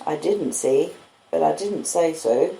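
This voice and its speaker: A woman's voice: low voice, unhurried, gravelly, mellow, reverberant, rough recording. A woman with an Australian accent reading literary narration as an audiobook reader.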